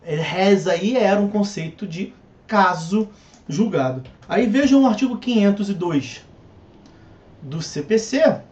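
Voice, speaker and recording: A man's voice: high voice, lively intonation, measured pace, a little mellow, lo-fi sound. A man lecturing on civil procedure law in a conversational way, asking rhetorical questions and making jokey asides.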